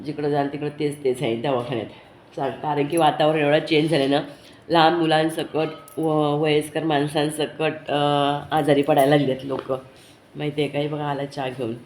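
Stuffed-up young mom vlogging from home, deep husky voice, echoey room with a bit of hiss, keeps talking right to the camera. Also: female voice, flat delivery, moderate pace, darkish tone. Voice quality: hoarse, thick voice. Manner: chatty, keeps addressing viewers directly. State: congested, stuffy-nosed with a bad cold. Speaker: vlogger and mother. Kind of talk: casual home vlog talking to viewers. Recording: echoey room, faint background noise.

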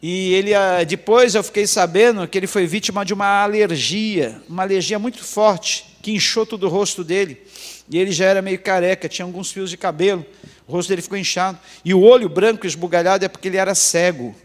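A middle-aged male pastor telling a dramatic personal testimony in a sermon, dropping into hushed low passages. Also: fairly quick. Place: church hall. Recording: long hall reverb.

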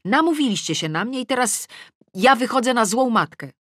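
A woman's voice: a little high, animated, moderate pace, a bit bright, no echo, studio quality, pitched above the performer's own voice. A woman audiobook reader playing an indignant, self-pitying grown woman with an emphatic, touchy manner.

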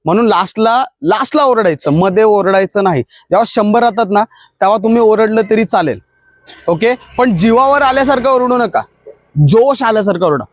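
A running coach with a high, clear male voice and a firm, direct way of instructing his trainees. The sound is dry and close, with little room around it. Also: lively intonation, normal speed, no echo. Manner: shouts encouragement, then lectures firmly. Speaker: police recruitment fitness coach. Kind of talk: outdoor coaching of runners.

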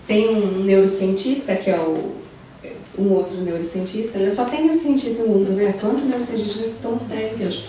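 A young adult woman with a Brazilian Portuguese accent, giving an animated conference lecture as a psychologist through a handheld mic. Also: mid-range voice, a little fast, slight background noise. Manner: animated, gestures while walking the stage. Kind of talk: conference talk. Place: large wood-panelled lecture room. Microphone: handheld mic, far camera. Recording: echoey room recorded from far off.

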